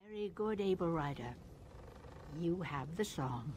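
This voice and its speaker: An actress playing a calm, mystical alien tribal wise woman in a video game, measured and formal. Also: fairly low pitch, soft background music. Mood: serene, approving. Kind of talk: video game character acting.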